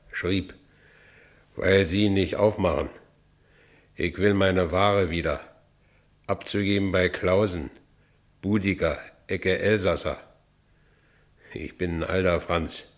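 A working-class Berlin ex-convict in a radio play. The voice is deep and low, the accent Berlin. He talks colloquially, brooding with bitterness and self-pity. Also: steady tone, takes it slowly, long pauses. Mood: wry, brooding. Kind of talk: first-person radio play narration.

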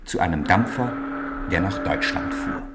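Very deep-voiced male storyteller. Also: animated, normal speed, very noisy. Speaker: narrator. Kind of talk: scripted storytelling narration for a children's radio play.

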